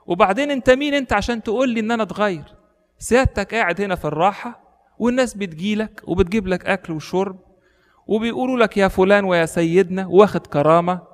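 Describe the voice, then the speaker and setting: A preacher acting a scornful Egyptian bandit. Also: male voice, high-pitched, long reverb tail, voice pushed up. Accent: Egyptian Arabic. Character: hardened male bandit, defiant and scornful.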